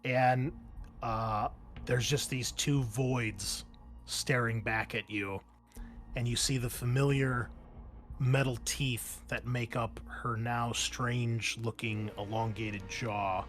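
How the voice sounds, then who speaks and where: A man runs a tabletop horror game as its game master. His delivery is unhurried, lingering on vivid, gory description and pausing for drama. Soft music plays faintly underneath. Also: medium pitch, steady tone.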